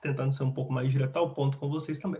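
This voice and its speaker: A man talks in a fairly high, somewhat breathy voice with fairly even intonation. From Brazil, Belo Horizonte (Minas Gerais). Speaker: cloud security architect, conference speaker. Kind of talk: conference talk. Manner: casual, talkative.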